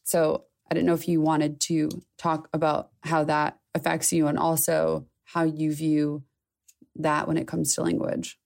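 A woman co-hosting a podcast, speaking in a thoughtful, measured way as she raises a question to a colleague. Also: low voice, completely flat delivery, creaky, a little mellow. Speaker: podcast co-host. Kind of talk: casual podcast discussion.

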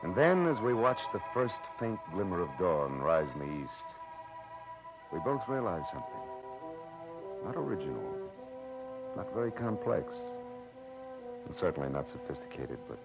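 An American actor playing a wry, tough private detective in a 1940s radio noir drama, with clipped, dramatic delivery. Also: male voice, low-pitched. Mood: reflective. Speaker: lead actor and narrator. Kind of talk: 1940s radio noir acting, first-person narration. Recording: dull vintage radio recording with music.

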